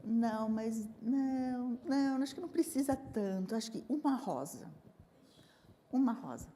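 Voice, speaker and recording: A woman's voice: on the high side, lively intonation, moderate pace, warm tone, natural voice. A woman acting out a fussy wife who never says what she wants, whining and hard to please, in an echoey lecture hall. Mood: picky. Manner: whiny, indecisive, hard to please.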